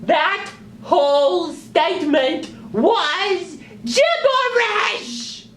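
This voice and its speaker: Woman voicing an indignant, very high-pitched sock puppet. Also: expressive, a bit bright, reverberant, slight background noise, full character voice. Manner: emphatic, exasperated, drawn-out words. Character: indignant, earnest talking sock puppet, male. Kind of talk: puppet parody of a news town hall.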